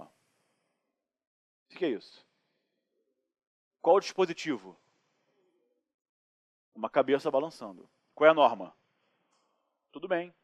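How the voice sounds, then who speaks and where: A Brazilian-accented man teaches criminal law in a recorded studio course. His voice sits fairly high for a man and comes across dry and close. He jokes, acts out little scenes and keeps asking the class rhetorical questions. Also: no echo, muffled recording. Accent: Brazilian Portuguese. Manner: lively, joking, acts out anecdotes and asks rhetorical questions. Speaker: law lecturer.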